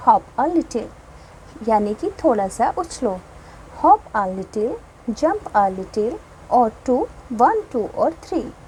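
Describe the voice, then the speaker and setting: A woman teacher slowly explaining a children's English textbook, reading each line and giving its meaning. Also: sits high, mellow, slight background noise, low-quality recording.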